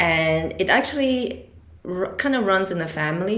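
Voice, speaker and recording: Amid noticeable background noise and audible room echo, a woman at a medium pitch speaks at a moderate pace with lively intonation. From Vietnam, raised in Czech Republic from childhood. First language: Vietnamese. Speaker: podcast host, interview guest. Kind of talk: casual interview.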